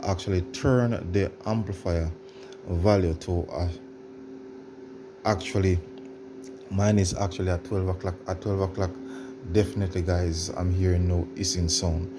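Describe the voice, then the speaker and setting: A man presenting an informal how-to demonstration, explaining in a halting, repetitive way and addressing viewers directly. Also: low-pitched, steady tone, background noise. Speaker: tutorial presenter.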